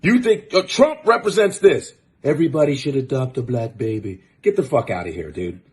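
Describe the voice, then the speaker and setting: A man's voice: mid-range voice, animated, normal speed. Fired-up, profane man ranting. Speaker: host. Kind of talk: casual commentary.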